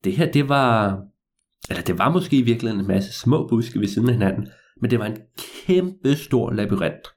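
A man telling a story to listeners in a lively, meandering way, with hesitations and repeats. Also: medium pitch.

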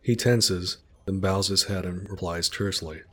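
A man narrating a story in a calm, descriptive way. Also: sits low, normal speed, breathy edge.

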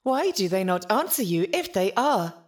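A woman's voice: mid-range voice, very animated, moderate pace, close to an everyday voice. A woman playing a polite, lonely, literal-minded nonhuman intelligence in an audio drama, speaking formally and precisely. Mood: friendly, curious. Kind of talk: audio fiction podcast acting.

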